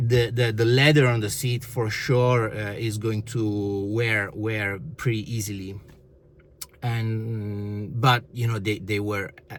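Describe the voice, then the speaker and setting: A man at a fairly slow pace and fairly low pitch, fairly even in intonation, with audible room echo and noticeable background noise. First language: not English. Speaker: car vlogger. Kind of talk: casual vlog review. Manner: halting, many fillers.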